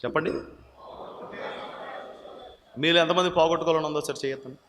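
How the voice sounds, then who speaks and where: A male pastor with a Telugu accent, preaching a sermon and calling out questions to his congregation, pressing them to answer loudly. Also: fairly high pitch, fairly even intonation, quick pace. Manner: calls out questions to the congregation, urging loud answers. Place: church hall. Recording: echoey hall with long reverb.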